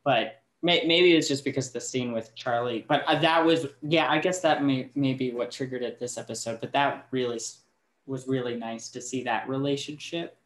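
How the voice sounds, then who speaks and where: Guy thinking out loud, stops and restarts, hedges, echoey room. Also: mid-range voice. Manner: halting, hedging, thinks aloud. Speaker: cast member. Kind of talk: casual discussion.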